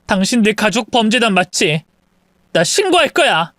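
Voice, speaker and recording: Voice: medium pitch, big pitch swings, normal speed, fairly bright tone, no echo, clean studio sound, voice pushed up. A reader voicing an angry young wife who accuses her husband's family of theft, in an indignant tone. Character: angry young wife confronting thieving in-laws.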